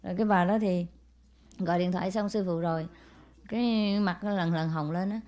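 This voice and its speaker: A woman's voice: on the low side, fairly even intonation, dark tone. A woman spiritual teacher giving an informal talk to followers, telling a story with many small fillers and checks on whether listeners follow. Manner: chatty, frequent "ừ" and "à" fillers, asks listeners "hiểu chưa?"; switches to brisk, scolding asides to attendants.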